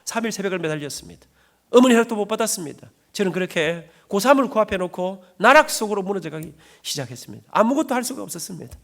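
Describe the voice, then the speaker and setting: Brief: middle-aged church elder telling an emotional testimony; high, quick voice. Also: male voice, animated, vocal fry, a bit bright. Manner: dramatic storytelling, emotional. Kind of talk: sermon testimony.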